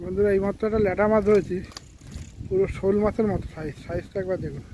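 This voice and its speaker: A man narrating his own fishing trip at a rural pond, chatting casually to viewers and sometimes speaking softly. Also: high-pitched, quick pace, a little hiss or hum. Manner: chatty, addresses viewers as friends, talks quietly at times. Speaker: fishing vlogger. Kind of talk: casual outdoor vlog narration.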